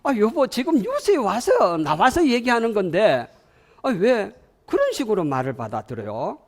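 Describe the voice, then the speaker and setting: An earnest husband lectures his wife about doing things right, as a male lecturer acts him out. His voice sits fairly high and swings a lot in pitch. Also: sing-song, moderate pace, a little mellow. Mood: hurt. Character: well-meaning husband nagging his wife.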